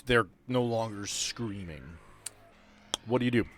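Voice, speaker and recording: A man's voice: fairly low pitch, measured pace, soft background music. A man acting as game master, narrating the action and rules of a tabletop roleplaying game in a podcast.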